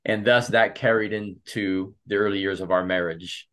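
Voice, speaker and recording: A man's voice: fairly low pitch, fairly even intonation, moderate pace, a bit bright. A man who is a pastor and marriage coach, telling his personal story in an earnest interview with frequent restarts. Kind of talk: casual interview.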